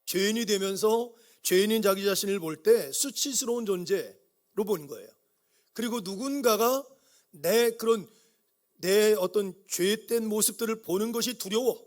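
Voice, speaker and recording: A man's voice: sits high, normal speed. A middle-aged man preaching a sermon in a church, talking conversationally and putting questions to the congregation. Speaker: pastor. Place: church sanctuary.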